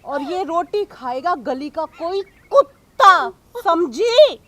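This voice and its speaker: A woman's voice: very high-pitched, sing-song, slow, a bit bright, dry recording, full character voice. An actress playing a harsh stepmother in a short film drama, who scolds her stepdaughter and later repents in tears. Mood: scolding. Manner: harsh scolding, then tearful remorse.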